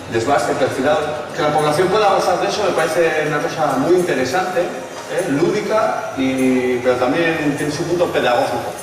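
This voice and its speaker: A sculptor from the Country, answering interview questions in a reflective, thinking-aloud way. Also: male voice, fairly high pitch. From Basque Country, Spain. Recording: echoey distant recording, long reverb.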